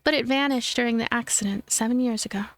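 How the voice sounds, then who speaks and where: A woman let's player reading a visual novel aloud in expressive narration, with game music behind her. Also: a little high, fast talker.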